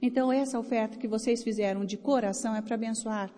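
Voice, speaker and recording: A woman's voice: on the high side, steady tone, fast talker, warm tone. Blunt preaching woman in a reverberant hall. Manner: blunt, exhorting, speaks to the crowd. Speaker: preacher raising offerings at a conference. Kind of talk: sermon.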